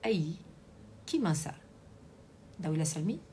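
Woman coach doing a live stream, lowish voice, chatty, lots of ums, faint hiss behind. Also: big pitch swings, takes it slowly, mellow. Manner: chatty, reads comments aloud, many fillers. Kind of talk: casual live stream chat and coaching talk. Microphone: Bluetooth hands-free earpiece.

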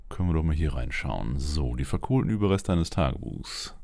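Man, very low pitch, dry close sound, game commentary, muttered asides. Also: animated, brisk, a little mellow, no room sound. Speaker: let's player. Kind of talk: video game commentary and reading aloud.

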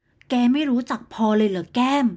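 A woman voicing an angry, fed-up young boyfriend in a storybook tale, with a blunt, irritated delivery, in her own fairly high voice. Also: normal speed, darkish tone, close to an everyday voice. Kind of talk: storybook character voice.

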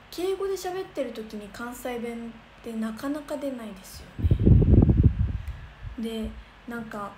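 A woman's voice: fairly high pitch, mellow. A young woman from the Kansai region chatting casually on a livestream, bubbly and full of fillers as she answers comments. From Kansai region of Japan. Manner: chatty, bubbly, thinks aloud with many fillers. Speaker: idol livestreamer. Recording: echoey room with noticeable noise.

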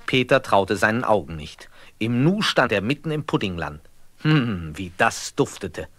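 A man narrating a scripted children's story as an expressive storyteller. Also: on the low side, a little slow, no echo.

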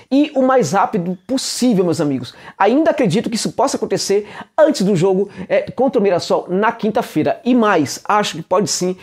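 A man in his forties with a Brazilian accent, giving animated football commentary to camera on a lapel mic in a room, with many fillers. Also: high voice, slightly rough. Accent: Brazilian Portuguese. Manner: animated, emphatic, gestures with hands, many fillers. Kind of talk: casual vlog commentary. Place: indoor room with bookshelves. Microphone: clip-on lapel mic.

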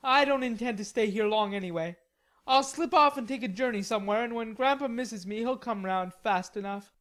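Storybook lad in a huff: female reader playing a stubborn, petulant teenage boy, pitched up, full of bluster. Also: a little fast, a bit bright, close to an everyday voice. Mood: sulky, defiant. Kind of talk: storybook character dialogue.

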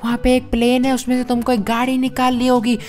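A woman's voice: fairly high pitch, monotone, quick pace, darkish tone, lightly acted. A woman voicing an insistent armored hero giving urgent orders in a gameplay role-play. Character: urgent armored male tech hero, bossy.

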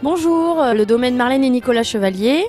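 A woman in her thirties gives a short promo in a fairly high voice. Faint music plays behind her. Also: expressive, a little fast, darkish tone. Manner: brief promo with fillers. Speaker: winemaker. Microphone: handheld mic.

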